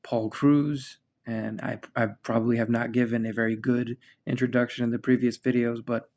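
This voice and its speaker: A podcast host from the United States talks at a moderate pace in casual, rambling chat, filling it with restarts and fillers. His medium-pitched voice has a darkish tone and little pitch movement.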